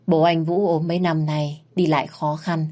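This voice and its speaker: A woman narrating a family drama in a gentle, sympathetic storytelling manner. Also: low voice, little pitch movement, moderate pace. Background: faint music.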